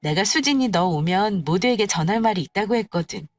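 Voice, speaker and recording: A woman playing a patient, polite, quietly confident young bride-to-be in an audio story, with composed and gentle phrasing. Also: medium pitch, animated, a little fast, soft background music, natural voice. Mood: placating. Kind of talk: acted dialogue in an audio story.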